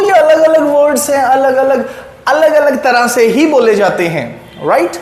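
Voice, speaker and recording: Male tutor, high register, patient drill-style delivery, roomy recording. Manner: slow, drawn-out word examples with frequent checks like "right?". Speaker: English teacher. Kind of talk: explaining pronunciation rules in a video lesson. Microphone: writing on a board while talking. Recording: echoey room.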